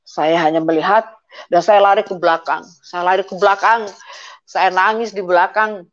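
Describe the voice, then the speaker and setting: A woman's voice: medium pitch, fairly even intonation, moderate pace. A middle-aged woman giving a personal testimony, speaking hesitantly with many filler sounds as she retells painful family events. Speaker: guest giving a conversion testimony. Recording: dull lo-fi audio.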